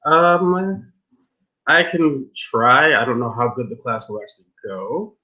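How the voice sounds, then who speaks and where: A man's voice: medium pitch, slow, sharp tone. Man chatting on a muffled web call. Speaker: chat moderator. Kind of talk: casual chat. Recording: dull lo-fi web video call.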